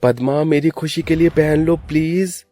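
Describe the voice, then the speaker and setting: Man doing smooth-talking young cartoon lover, coaxing, persuasive, raised pitch. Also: unhurried, dark tone, no echo, close to an everyday voice.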